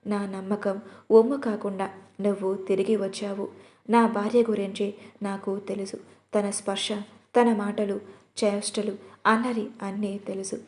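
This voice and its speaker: A man's voice: high voice, darkish tone. Woman voicing a tearful devoted husband. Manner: pleading, tearful. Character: grieving devoted young husband, emotional.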